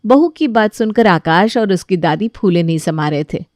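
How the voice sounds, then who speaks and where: A woman narrating a bedtime story in a calm, even storytelling way. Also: mid-range voice, moderate pace, no room sound, studio quality.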